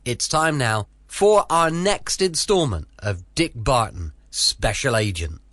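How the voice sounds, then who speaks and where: A man from the UK hosting a podcast from home, relaxed and chatty. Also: medium pitch, slow, dry recording. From United Kingdom. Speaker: host. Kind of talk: casual podcast introduction.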